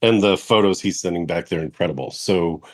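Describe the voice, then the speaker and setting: A middle-aged man hosts the conversation in a very deep voice. He sounds eager and encouraging, underscoring his guest's points and piling on affirmations. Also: brisk. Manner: enthusiastic, encouraging, repeats affirmations. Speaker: podcast host. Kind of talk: casual interview conversation.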